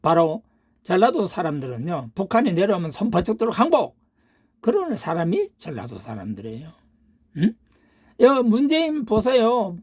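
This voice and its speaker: Older woman host, political rant, husky and animated, throws out rhetorical questions and insults. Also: medium pitch, moderate pace, no room sound, studio quality. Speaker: channel host. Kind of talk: political monologue.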